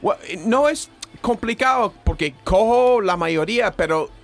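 Guest, man, native English speaker; bright animated pitch, halting word searches. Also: faint music behind. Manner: hesitant, restarts while searching for words in Spanish. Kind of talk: casual chat.

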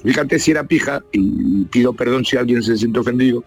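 A man's voice: medium pitch, fairly quick, slightly rough, faint music behind. An older man from La Mancha in Spain, talking as a radio guest in a colloquial, jokey way and repeating words for emphasis. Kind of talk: chatty radio interview, anecdotes.

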